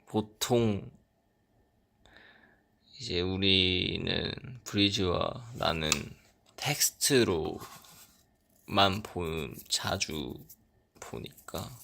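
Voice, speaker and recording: A young man chatting casually with fans on a livestream, soft-spoken and short on sleep, often dropping into a near whisper. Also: sits low, creaky. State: sleep-deprived. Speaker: idol on a fan livestream. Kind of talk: casual livestream chat reading fan comments.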